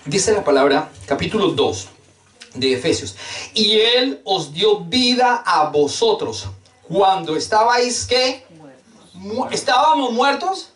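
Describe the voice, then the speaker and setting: A man's voice: sits high, very animated, slow pace, fairly bright tone. A man preaching a sermon, fervent and emphatic, with rhetorical questions and lots of repetition. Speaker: pastor. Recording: echoey room, mic at a distance.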